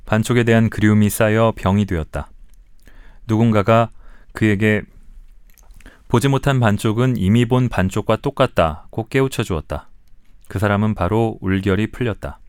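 Guy in his 40s reading his own essays out loud, low smooth voice, slow and thoughtful, dry close sound. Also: no room sound. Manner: slow, measured and reflective. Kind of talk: calm literary reading aloud.

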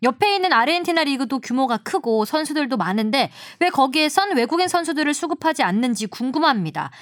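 A woman's voice: high-pitched, expressive, fast, no room sound, clean studio sound. A woman, an announcer talking casually on a show. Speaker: sports announcer, show regular. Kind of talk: casual chat and reading listener letters.

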